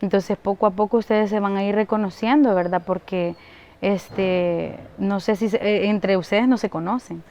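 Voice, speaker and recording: A woman with a Salvadoran accent, an advocate for a women's collective, explaining things to a group with many fillers and pauses. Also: mid-range voice, fairly even intonation, mellow. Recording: noisy on-location recording.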